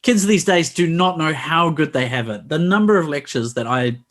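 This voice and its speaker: Australian-born man, party guest on a video call, rambling wry humor, voice sits a bit high. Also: lively intonation, normal speed, fairly bright tone, a little hiss or hum. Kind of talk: casual chat on a video call.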